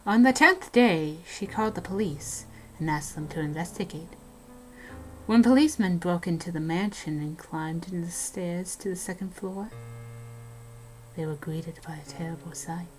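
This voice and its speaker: A woman playing a horror fan who swaps spooky tales in a dramatic way, dipping into hushed tones. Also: fairly low pitch, moderate pace, faint music behind, close to an everyday voice, low-quality recording. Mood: ominous. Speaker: horror story narrator. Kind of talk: scripted ghost story narration and acted banter.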